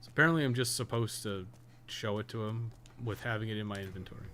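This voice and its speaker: A man with a fairly low voice talks casually as he streams a game. He rambles from thought to thought and swears freely. There is clear background noise with game ambience behind him. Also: fast talker, pushed and bright. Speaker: game live streamer, podcast co-host. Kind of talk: casual livestream chat while gaming.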